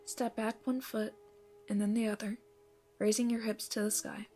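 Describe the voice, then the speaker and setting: A woman playing a gentle, encouraging yoga instructor in an ASMR roleplay, giving soothing, breathy instructions that often soften toward a whisper. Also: a little high, level tone, normal speed, faint music behind, natural voice. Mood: calm, encouraging. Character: gentle, encouraging female yoga instructor leading a morning class.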